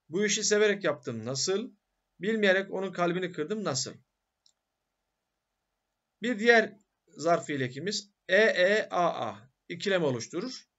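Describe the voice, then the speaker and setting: A man's voice: sits high, a bit bright, dull audio. A male teacher giving a grammar lecture who asks questions and answers them himself.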